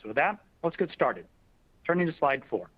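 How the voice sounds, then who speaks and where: A man speaking as a chief executive, giving a prepared earnings presentation in a formal, measured corporate style. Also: a little high, big pitch swings, husky, no room sound. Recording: dull, dry conference call audio.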